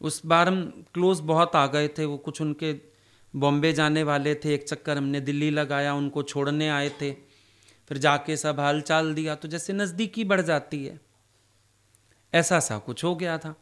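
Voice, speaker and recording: High-voiced man telling devotional stories. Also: flat delivery, a little slow, fairly bright tone, smooth. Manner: conversational storytelling, acting out quoted dialogue. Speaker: satsang speaker. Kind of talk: devotional talk told as personal stories.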